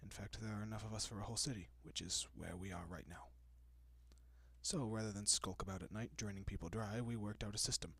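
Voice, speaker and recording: A man plays a courteous vampire gentleman in an intimate audio roleplay. His voice is low and husky, slipping often into whispers, captured very dry. He soothes and reassures with polite, old-fashioned tenderness and a quietly possessive air. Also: fairly quick, no room sound, heavily acted. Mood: calm, apologetic. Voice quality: soft, breathy, often dropping to a whisper.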